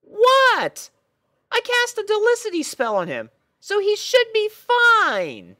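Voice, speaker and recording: Man putting on a squeaky falsetto perky pony princess. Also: wildly swooping pitch, slow, sharp tone, no echo, studio quality, heavily acted. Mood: defensive. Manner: eager, chirpy. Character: perky young female pony princess, bubbly and naive.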